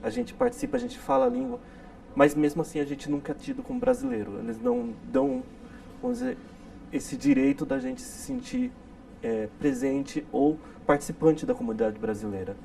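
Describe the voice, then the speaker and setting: A man from the interior of São Paulo, a guest speaking in a measured way and searching for his words. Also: very high-pitched, expressive, gravelly, mellow. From Brazil, interior of São Paulo. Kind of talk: casual interview talk. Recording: distant mic with faint noise.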